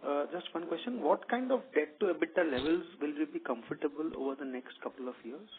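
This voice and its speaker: A man's voice: fairly high pitch, lively intonation, quick pace, slight background noise. A man politely putting questions as an investor on a conference call. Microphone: phone conference call. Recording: tinny narrowband phone line.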